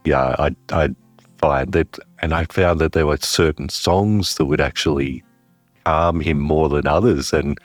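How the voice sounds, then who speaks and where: A man with a very deep, resonant voice reflects on becoming a father. He talks in a halting, thoughtful way, pausing and restarting as he works out what he means. The sound is close and dry. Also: steady tone, no room sound, faint music behind. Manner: thoughtful, halting, searching for words. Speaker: father interviewed about parenthood. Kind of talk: reflective interview conversation.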